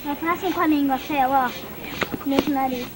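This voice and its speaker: A woman's voice: sits high, normal speed, background noise. A Brazilian woman in casual family chat outdoors, picked up by a camcorder on old worn tape.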